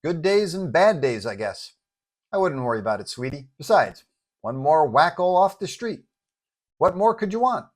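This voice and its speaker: A confident female police chief, played by a man in a superhero audio story. She talks briskly, dismissing worries and teasing with affection. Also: fairly high pitch, big pitch swings, voice pushed up. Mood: dismissive.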